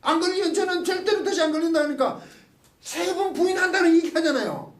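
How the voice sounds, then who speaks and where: Guy teaching bible study, animated, keeps asking the room questions, echoey and a bit far from the mic. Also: very high-pitched, quick pace. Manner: animated, asks the class questions, acts out quotes. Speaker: Bible lecturer. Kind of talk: lively Bible study lecture. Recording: roomy, mic at a distance.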